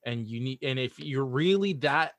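A man's voice: mid-range voice, lively intonation, normal speed, no room sound. A man speaking as a podcast guest, casually and earnestly giving opinions and repeating phrases for emphasis.

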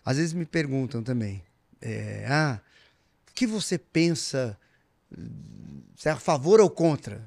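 A man's voice: mid-range voice, animated, a little slow, vocal fry, long pauses, a little mellow. A man, chatting casually about his work as a voice actor. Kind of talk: casual chat.

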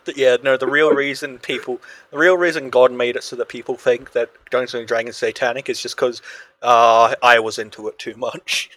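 A man's voice: medium pitch, level tone, brisk, fairly bright tone. A man co-hosting a casual podcast chat, rambling, swearing freely and laughing often. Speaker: podcast co-host.

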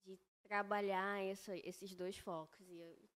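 A woman's voice: mid-range voice, level tone. Earnest woman guest on a faith podcast. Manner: earnest, reflective, measured with frequent "né?". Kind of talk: faith-based podcast conversation.

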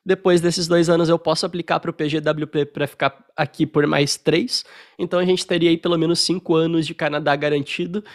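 A young Brazilian man with a Brazilian Portuguese accent, a podcast guest telling his story in casual interview chat over a video call, relaxed and full of fillers. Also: a little high, brisk.

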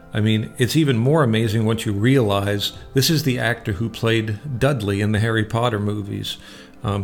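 A man's voice: fairly low pitch, gravelly. A man hosting a radio show, giving casual, opinionated film reviews in a conversational way.

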